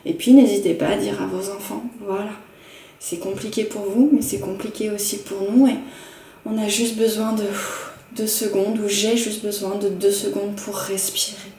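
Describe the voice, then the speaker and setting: A woman teaching emotional tapping techniques in a gentle, repetitive, instructional manner. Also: mid-range voice, flat delivery, moderate pace, vocal fry. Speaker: EFT practitioner. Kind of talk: calm instructional talk. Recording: roomy sound from a distant mic with faint noise.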